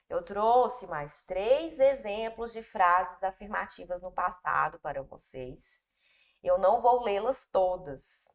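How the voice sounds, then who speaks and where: Casting: Brazilian woman teacher, patient and informal with students, unhurried delivery, muffled lo-fi sound. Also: mid-range voice. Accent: Brazilian Portuguese. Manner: addresses students informally, explains patiently with repetition. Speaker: English teacher. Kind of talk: slow, step-by-step grammar lesson. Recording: dull, lo-fi recording.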